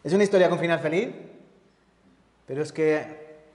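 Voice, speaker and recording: Evangelist in an echoing church hall. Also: male voice, fairly high pitch, normal speed. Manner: lively, asks the congregation many rhetorical questions. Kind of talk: sermon. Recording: echoey reverberant church hall.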